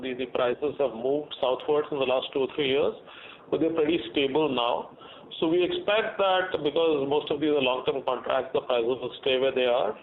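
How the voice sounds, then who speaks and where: A man's voice: mid-range voice, gravelly. A man with an Indian accent explaining business matters as a company executive on an earnings call. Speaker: company executive answering investor questions. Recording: muffled phone-like conference line with faint noise.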